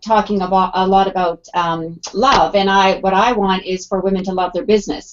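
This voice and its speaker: A woman with a Canadian accent uses a normal speaking voice at medium pitch and a moderate pace. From western Canada. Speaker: business coach. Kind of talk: casual panel discussion. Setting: video call.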